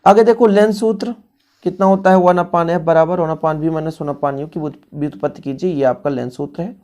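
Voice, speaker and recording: A man's voice: fairly high pitch, fairly even intonation, normal speed, mellow. Casual male physics teacher. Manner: casual, brotherly teaching tone, addresses students directly. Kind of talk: exam revision lesson.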